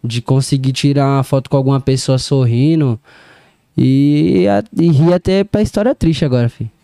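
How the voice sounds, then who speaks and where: A man's voice: mid-range voice, moderate pace, gravelly, mellow, smooth, no echo, clean studio sound. A young man telling stories as a podcast guest, easygoing and full of slang. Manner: laid-back street slang, storytelling, laughs often. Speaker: DJ and music producer guest. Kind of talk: casual podcast interview.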